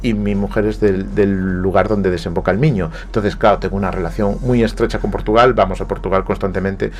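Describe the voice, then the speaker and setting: Deep, steady and brisk, this man's voice comes from a guest writer from Galicia with a Spanish accent. In a radio studio interview he reflects aloud, often hesitating and repeating words.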